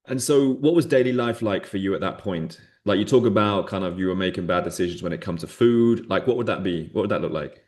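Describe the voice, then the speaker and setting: A fitness coach interviews a client, a man asking loose, conversational questions. His voice sits somewhat low, and he hedges often with casual fillers. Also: a little fast, hardly any pauses. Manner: relaxed, conversational, many hedges like "sort of".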